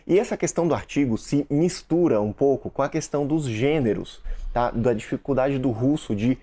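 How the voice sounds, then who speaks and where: Mellow and medium-pitched at a normal speed, a Russian-born man whose first language is Russian talks casually to the camera. As a teacher and content creator, he explains with examples and throws in asides to viewers.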